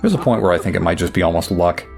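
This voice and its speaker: A man's voice: low voice, expressive, racing, creaky, faint music behind. A young man giving rambling, wry, self-deprecating commentary while playing a game. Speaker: gameplay commentator. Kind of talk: casual let's play commentary.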